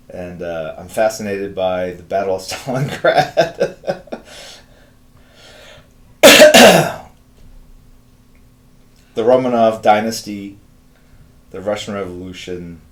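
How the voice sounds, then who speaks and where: The speaker is a man in his fifties running a live drawing stream, reading viewer messages aloud and rambling with lots of fillers. His fairly low, slightly bright voice is animated yet slow, with frequent pauses, in a roomy-sounding space.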